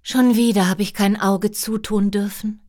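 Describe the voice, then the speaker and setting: A woman's voice: mid-range voice, steady tone, measured pace, a little mellow, voice pushed up, natural voice. A woman voicing a tired, demanding storybook queen who complains in a plaintive way. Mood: weary, complaining.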